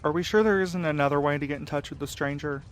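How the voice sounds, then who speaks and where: A man's voice: a little high, fast talker, close to an everyday voice. A man playing a weary, protective and dryly sardonic character in a naturalistic audio drama. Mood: subdued, earnest.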